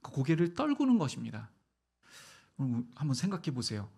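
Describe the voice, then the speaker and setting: A middle-aged male pastor preaching a sermon, asking the congregation rhetorical questions and swinging between soft, quiet phrases and loud, emphatic ones. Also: medium pitch, wildly swooping pitch, fairly quick, creaky, breathy edge.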